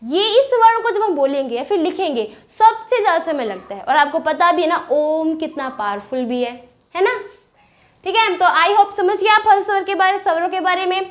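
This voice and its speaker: A woman's voice: very high-pitched, expressive, normal speed. A woman with an Indian accent teaching a casual grammar lesson, chatty, asking questions and answering them herself.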